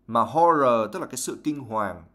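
A man's voice: mid-range voice, animated, moderate pace, a bit bright. A young Vietnamese man teaching English vocabulary on a live stream. He reads passages from a novel aloud and then explains each word at length, mixing English terms into his talk.

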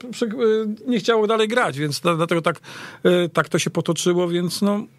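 A man's voice: high-pitched, no echo. Male football pundit, raised register, casual and stumbling with restarts, dry studio recording. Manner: halting, stammering restarts. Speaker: radio podcast guest commentator.

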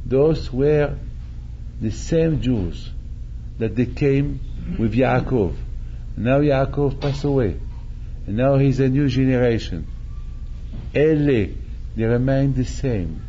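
A man's voice: mid-range voice, takes it slowly, warm tone, dull audio, slight background noise. An older man, a rabbi, preaching animatedly, repeating phrases and acting out quotes, speaking into a stand mic in a synagogue hall. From Morocco. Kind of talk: sermon. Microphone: stand mic at chest.

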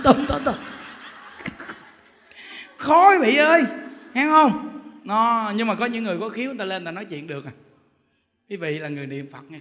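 A man giving a Buddhist dharma talk in a temple hall, telling stories in an animated way, with loud bursts and chuckles. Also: sits high, a little hiss or hum. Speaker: Buddhist monk teacher. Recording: long hall reverb.

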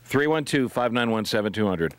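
A middle-aged talk radio host speaks close to a boom-mounted broadcast microphone in a dry recording. His medium-pitched voice is clear, resonant and animated, a little fast, as he jokes through casual live banter.

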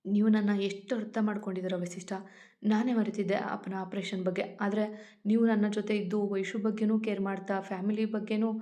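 A woman voicing a gentle, caring young wife who speaks softly and affectionately. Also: mid-range voice, flat delivery, brisk, natural voice. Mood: tearful. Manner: soft, affectionate, apologetic.

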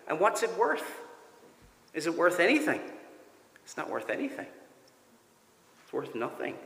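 Man, fairly high forceful voice, pastor preaching, emphatic pauses, long church reverb. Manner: deliberate, emphatic, with pauses and repeated phrases. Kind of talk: sermon with rhetorical questions. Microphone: gooseneck pulpit microphone.

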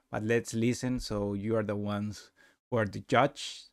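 A man narrating a casual software tutorial as a demonstrator, with halting, non-native English phrasing. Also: fairly low pitch, little pitch movement, no echo, studio quality.

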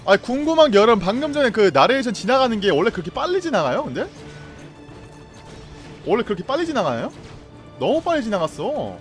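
A young man streaming a game live, reacting loudly, laughing and greeting viewers. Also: very high-pitched, sing-song, a little fast, long pauses, soft background music.

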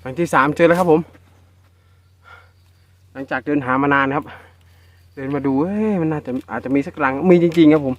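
A man with a Northeastern Thai accent narrating a casual outdoor vlog while he harvests wild bee nests, exclaiming excitedly and calling his viewers brothers and sisters. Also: on the high side, a little fast, long pauses, dull audio. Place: outdoors in rural scrubland.

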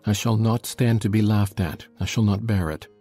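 A woman voicing a sullen, defiant, proud boy in a dramatized audiobook, with a gravelly, husky voice and stubborn emphasis. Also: a bass voice, normal speed, dark tone, soft background music, pitched below the performer's own voice. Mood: proud, hurt. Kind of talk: dramatized audiobook character reading.

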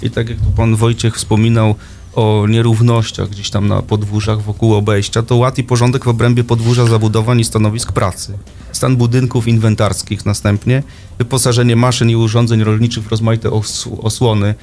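Man, radio guest, low voice, hesitant, filler words, faint noise behind. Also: little pitch movement, moderate pace, a little mellow. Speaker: guest official. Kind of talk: radio interview. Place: radio studio.

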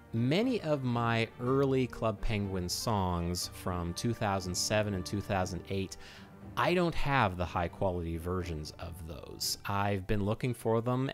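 A man in his thirties talking casually and conversationally to camera as a video host in a small home room. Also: lowish voice. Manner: informal, conversational. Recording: roomy home recording.

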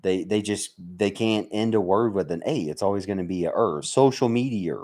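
A man's voice: on the low side, normal speed, a little mellow. An American man from Mississippi chatting casually to livestream viewers, blunt and sweary, in a joking, bantering way. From Mississippi, United States. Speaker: livestream host, military veteran.

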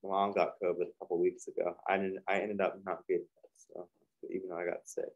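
A man's voice: low voice, flat delivery, quick pace. A young man hosting a reaction video, chatting casually and rambling with lots of fillers in a small hot studio with a fan running. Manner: rambling, full of fillers and restarts. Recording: dull lo-fi sound.

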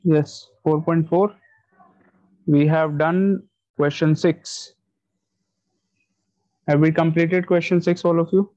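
Speaking slowly with long pauses, this man has a slightly high, somewhat mellow voice and fairly even intonation. He has a South Asian accent and is giving an online maths lesson to pupils, switching between Hindi and English and asking brief check-in questions. It's captured over a video call, with dull, lo-fi sound.

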